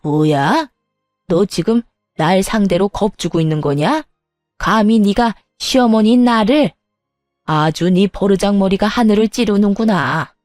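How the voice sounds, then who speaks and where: A woman's voice: mid-range voice, measured pace, darkish tone, no echo, lightly acted. A harsh, domineering older mother-in-law, acted by a woman, scolding with open contempt. Her speech is dry and close, with faint music underneath. She sounds like she's laying down the law in a dramatized story reading.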